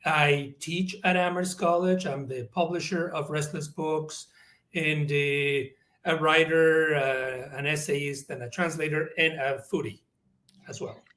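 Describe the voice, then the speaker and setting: Male guest, Mexican accent, high voice, deliberate and halting, thoughtful literary interview delivery. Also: steady tone, a bit bright. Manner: deliberate, halting, eloquent phrasing. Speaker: guest author and professor.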